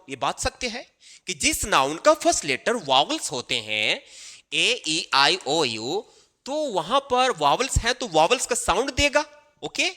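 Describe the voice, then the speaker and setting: Animated male grammar teacher. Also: high-pitched, long reverb tail. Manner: emphatic, repeats examples and asks rhetorical checks. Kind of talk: classroom-style grammar lesson.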